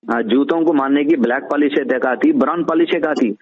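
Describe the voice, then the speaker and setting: A man's voice: medium pitch, brisk, breathy edge. Hyderabadi man on a tinny phone line. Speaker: interviewee on a phone call. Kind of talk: opinionated casual phone talk. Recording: tinny narrowband phone call recording.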